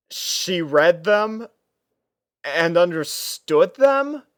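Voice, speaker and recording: A man's voice: fairly high pitch, clear, resonant tone, no room sound, clean studio sound. A man reading a first-person fan fiction story as narrator, dramatising the character's thoughts.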